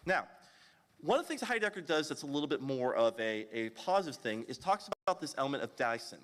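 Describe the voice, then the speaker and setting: A man's voice: medium pitch, a bit bright. A man giving a panel presentation at a convention, lecturing with frequent fillers and restarts. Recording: long hall reverb.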